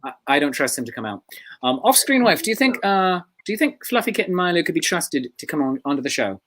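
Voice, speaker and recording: A woman's voice: deep voice, big pitch swings, fast, a bit bright. A woman hosting a casual live-stream chat from a porch, bubbly and easily delighted. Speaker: host.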